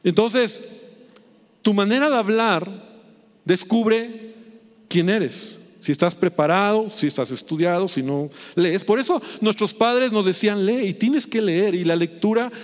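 High-voiced preacher in a reverberant hall. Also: male voice, unhurried. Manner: conversational, constant tag questions. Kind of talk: sermon.

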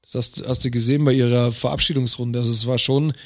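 A man co-hosting a podcast, chatting casually with quick, playful interjections. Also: medium pitch, fairly even intonation. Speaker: podcast co-host. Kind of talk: casual chat.

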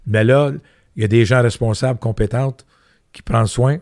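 Older Québécois man telling animated stories. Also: medium pitch, normal speed, dry recording, studio quality. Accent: Québécois French. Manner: animated, tells anecdotes, emphatic repetitions. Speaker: guest. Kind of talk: candid interview talk.

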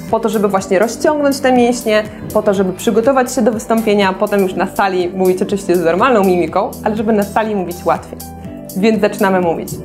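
A woman coaches public speaking in a friendly, direct lesson. She shapes each word clearly and carefully at a middle pitch. Soft music plays faintly beneath her voice. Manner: clear, deliberate articulation while demonstrating diction drills; encouraging, addresses the listener directly. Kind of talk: instructional video lesson.

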